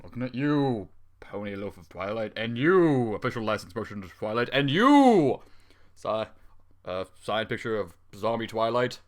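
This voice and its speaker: A man's voice: lowish voice, sing-song, normal speed. A man voicing a timid, frightened female cartoon pony who talks in a nervous, hesitant way. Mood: creeped out.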